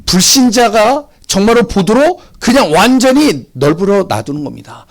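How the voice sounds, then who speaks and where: Male pastor, sermon, dramatic swings from emphatic to whispered, high animated voice. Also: normal speed. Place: church sanctuary.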